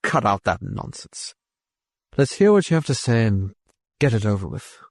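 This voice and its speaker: A man's voice: fairly low pitch, very animated, moderate pace, no echo. A man plays an ancient patriarch in a science fiction audiobook. He is crusty and curt, dismissive and sure of his opinions. The recording is dry and close. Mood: impatient. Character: ancient, youthful-bodied man, gruff, impatient, dismissive ancestor.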